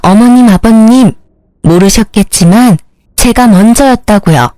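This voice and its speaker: A woman's voice: fairly high pitch, a little slow, dark tone, no room sound, close to an everyday voice. A woman voicing a brazen young mistress who talks down to everyone in a haughty, mocking way. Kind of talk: dramatized story narration.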